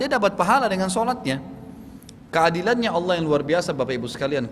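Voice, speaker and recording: Indonesian preacher from Makassar in a reverberant hall. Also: male voice, a little high, a bit bright, a little hiss or hum. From South Sulawesi, Indonesia. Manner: explanatory, repeats "gitu kan?" to check understanding. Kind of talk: religious Q&A lecture.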